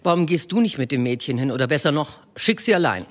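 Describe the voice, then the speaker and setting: A woman voicing a dry, laconic, teasing older husband during a literary reading, dropping her voice low and quiet. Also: expressive, fast.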